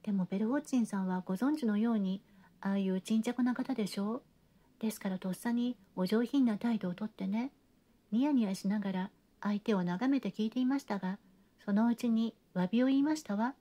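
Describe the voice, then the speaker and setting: A woman's voice: medium pitch, brisk, dark tone, lightly acted. A woman reading an audiobook, voicing a theatrical, talkative genteel lady who chatters on with refined, breathless sentences. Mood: gossiping. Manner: gushing, breathless chatter with refined feminine endings. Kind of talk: audiobook reading of a classic novel.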